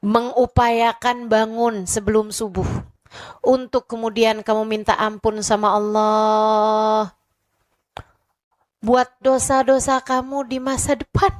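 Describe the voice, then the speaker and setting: Lively woman preacher telling stories. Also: fairly high pitch. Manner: lively storytelling, acts out voices of the people in her stories. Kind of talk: sermon to young women.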